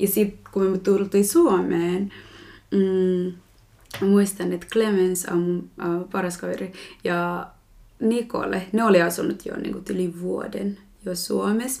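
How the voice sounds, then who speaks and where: Very slow and monotone, a woman delivers flat intonation at a medium pitch in a dark, mellow tone. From Rwanda. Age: 20s. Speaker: film club organizer. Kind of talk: casual chat.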